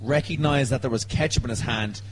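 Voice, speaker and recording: A man's voice: medium pitch, fairly quick. A man telling a comic story in casual podcast chat, with a wry, teasing manner. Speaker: podcast panellist. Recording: noisy background with hum.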